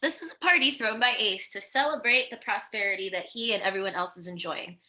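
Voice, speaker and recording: Bright-voiced woman narrating stage directions. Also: medium pitch, fairly quick. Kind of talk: scripted narration at a virtual table read.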